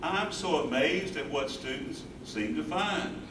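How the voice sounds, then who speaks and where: Recorded far from the mic in a noisy, roomy space, a man plays a smitten young college student in a stage drama. He is earnest, and his voice sits rather high. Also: a little slow, lightly acted. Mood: earnest, longing. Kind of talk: staged play reading. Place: indoor venue at a live staged reading. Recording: roomy, distant stage recording with clear noise.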